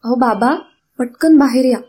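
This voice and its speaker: A woman voicing an excitable young adult daughter who pleads and calls out to her parents. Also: high voice, moderate pace, husky. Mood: eager.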